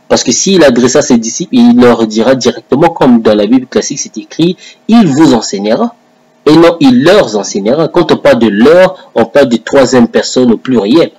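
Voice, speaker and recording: Man, online religious commentator, husky breathy tone, combative and taunting, speaking straight to an opponent in a video rant. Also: medium pitch, a little mellow, rough recording. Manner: taunting, combative, addresses his rival directly. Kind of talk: confrontational religious video monologue.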